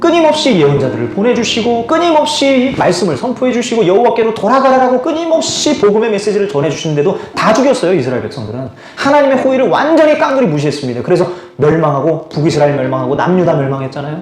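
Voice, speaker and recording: A young male pastor preaching a sermon, swinging from loud pleading to hushed, low tones. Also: sing-song, fast, few pauses, echoey room. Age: young adult. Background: guitar music.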